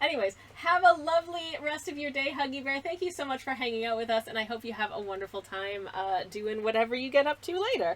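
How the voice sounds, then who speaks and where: Speaking very fast in a Canadian accent, a woman uses a high pitch with very wide swings while noticeable background noise runs underneath. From Canada. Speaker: streamer chatting with viewers. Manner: casual, conversational, many filler words.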